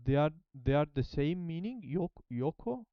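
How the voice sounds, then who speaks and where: This fairly high, very animated male voice moves at a moderate pace, and the recording is muffled with no echo. A language learner who isn't a native Japanese speaker thinks aloud in a casual study vlog, hesitating and repeating phrases as he translates.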